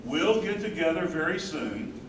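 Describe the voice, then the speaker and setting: A man's voice: a little high, very animated, unhurried. A man in a staged reading, playing a tender, devoted elderly husband of a wife with Alzheimer's. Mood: tender, reassuring. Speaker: stage reader. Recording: echoey room, far from mic, background noise.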